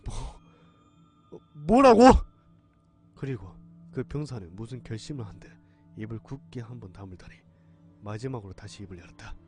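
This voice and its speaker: A man's voice: fairly low pitch, a little fast, mellow, soft background music. A man reading a first-person horror story aloud for a radio show, with a dramatic, tense delivery. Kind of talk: scripted horror narration.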